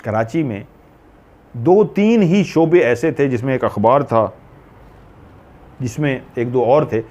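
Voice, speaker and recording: A male horror storyteller, talking the tale through casually. He rambles, corrects himself and drifts into asides. His pitch sits in the ordinary male middle. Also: a little mellow.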